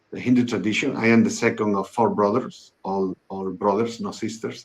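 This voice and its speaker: A man with a Spanish accent speaks at a moderate pace in a fairly low voice. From Spain. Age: 50s. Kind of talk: interview.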